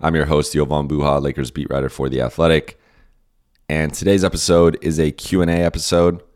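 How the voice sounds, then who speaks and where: A hoarse, worn-out man hosting a solo podcast, answering listener questions in a rambling, casual way with many restarts. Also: extremely low pitch, flat delivery, brisk, darkish tone, faint music behind. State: hoarse, lost his voice and tired. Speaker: podcast host and basketball beat writer.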